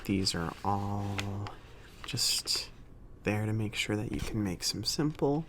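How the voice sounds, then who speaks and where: A man playing a friendly, awkward mage shopkeeper in an ASMR roleplay, speaking softly and haltingly, often near a whisper. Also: on the low side, lively intonation, noisy background. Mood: helpful, relaxed. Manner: hesitant, halting, casual.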